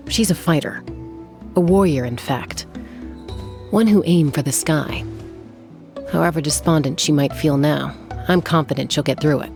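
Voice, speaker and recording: A woman playing a calm, confident, protective tribal guardian in a video game, speaking in a measured, reassuring way. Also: low voice. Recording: music behind the voice.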